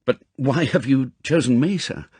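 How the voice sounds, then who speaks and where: A man's voice: medium pitch, normal speed, darkish tone, husky, no echo, pitched above the performer's own voice. A man voicing a polite, earnest secret agent who speaks respectfully to his superior in an audiobook. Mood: curious, respectful. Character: deferential male secret agent, earnest, self-doubting subordinate. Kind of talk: audiobook character acting.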